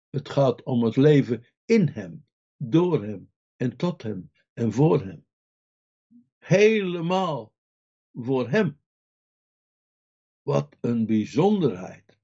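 Slow, husky-voiced male preacher. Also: mid-range voice, warm tone, lo-fi sound. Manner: earnest, asks the listener direct questions. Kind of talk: sermon.

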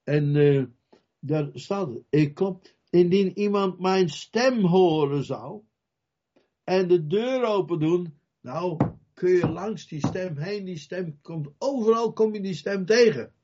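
This preacher's voice sits high and he takes his time, heard on a muffled recording with slight background noise. Emphatic throughout, he repeats key lines, acts out scriptural scenes with loud cries, and asks listeners questions head-on.

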